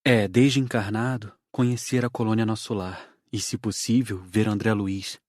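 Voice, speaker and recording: A woman's voice: a bass voice, steady tone, normal speed, a little mellow, no echo, studio quality, pitched below the performer's own voice. A woman voicing an enthusiastic young man who is a spirit student, in an audiobook reading. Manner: enthusiastic, dreamy. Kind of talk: audiobook character voice.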